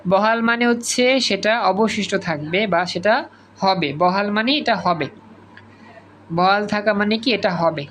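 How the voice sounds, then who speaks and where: A man with a Bangladeshi Bengali accent teaching an online class over a video call. He repeats words slowly to drill pronunciation and calls on students by name. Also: high voice, fairly bright tone, a little hiss or hum. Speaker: tutor.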